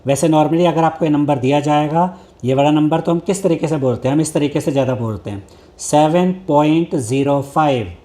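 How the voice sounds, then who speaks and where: A man teaching a maths lesson, explaining step by step, repeating each point, and reading textbook lines slowly. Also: on the high side, mellow. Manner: mixes Hindi with English maths terms, reads English textbook lines slowly.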